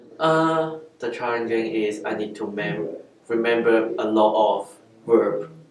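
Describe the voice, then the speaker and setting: With a Chinese accent, a man at medium pitch speaks fairly slowly with ordinary pitch variation, amid noticeable background noise and audible room echo. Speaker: ESL student. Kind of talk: interview answers. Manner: halting.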